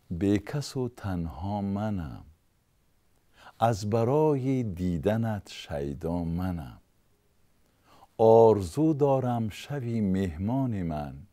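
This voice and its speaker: A man's voice: low-pitched, warm tone. A man with a Tajik accent reciting the verse lines of a lonely, pious old woman who longs for a guest. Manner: chanted, rhythmic verse delivery.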